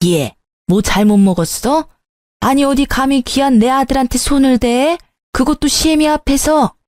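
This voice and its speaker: A woman's voice: high voice, moderate pace, darkish tone, dry recording, clean studio sound, voice pushed up, lightly acted. Brief: scheming middle-aged mother-in-law, fussy and wheedling, a woman acting her out. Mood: indignant. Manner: fussy, wheedling, then indignant.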